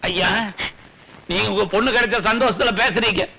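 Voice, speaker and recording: An actor playing a scheming rustic uncle who blusters and wheedles, in film dialogue over music. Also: male voice, high voice, a little fast, vocal fry, sharp tone, a little hiss or hum, full character voice, low-quality recording. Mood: pleading.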